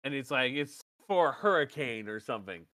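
A man's voice: medium pitch, lively intonation, normal speed, fairly bright tone. A man co-hosting a casual wrestling recap podcast, bantering loosely, laughing often and swearing freely. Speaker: podcast co-host.

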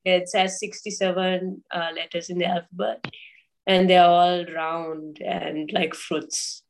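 A woman from Sri Lanka speaks as a guest on a podcast. Her voice sits low for a woman and barely moves in pitch. She hesitates often, filling gaps with ums and restarting her sentences. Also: flat delivery, slow pace. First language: English. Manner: hesitant, many fillers and restarts. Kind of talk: casual interview talk.

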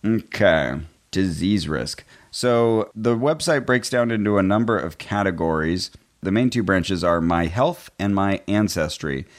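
A man's voice: low voice, animated, unhurried. A man co-hosting a podcast in casual chat, talkative and self-deprecating, often laughing. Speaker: podcast co-host.

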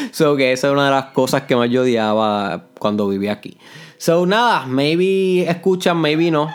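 A man's voice: medium pitch, clean tone. A young man from Puerto Rico with a Puerto Rican accent, hosting his own motivational podcast in an earnest, explanatory way, slipping English words into his Spanish. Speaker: podcast host. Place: parents' house in the countryside. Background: neighbor's old music and roosters.

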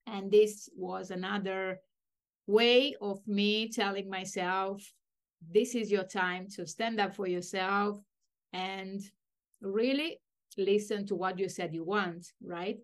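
A woman from Romania, middle-aged, telling her life story as an interview guest, reflective and halting, with phrasing and frequent restarts. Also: medium pitch, fairly even intonation. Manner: reflective, non-native phrasing with many restarts.

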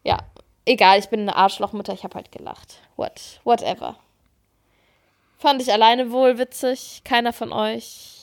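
A woman co-hosting a podcast, chatting casually and telling stories in a lively, self-mocking way. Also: on the high side, unhurried. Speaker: podcast co-host. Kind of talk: casual chat.

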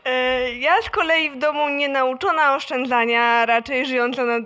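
A woman with a high, bright and forceful voice speaks up from the audience at a live event. She tells a personal story in spontaneous, everyday speech. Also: steady tone, moderate pace, slight background noise.

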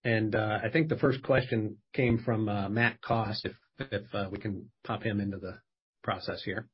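A man's voice: on the low side, fairly even intonation, moderate pace. A man moderating an earnings call, informally giving housekeeping instructions for the question session. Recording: slightly dull video call audio.

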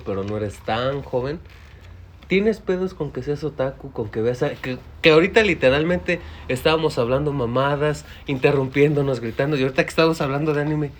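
A man's voice: fairly high pitch, moderate pace, slight background noise. A Mexican man hosting a podcast, asking questions and teasing the guest in slangy chat. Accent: Mexican Spanish. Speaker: podcast host. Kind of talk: casual chat.

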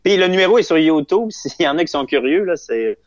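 A young male comedian with a Québécois French accent chats in a casual interview, rambling and amused with himself, full of fillers and restarts. His voice is on the high side, expressive and fairly quick, in a dry, slightly dull lo-fi recording.

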